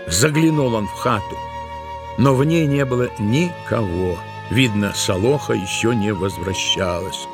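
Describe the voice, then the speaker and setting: A man narrating a literary tale for an audio play, expressively, with drawn-out emphatic words. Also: lowish voice.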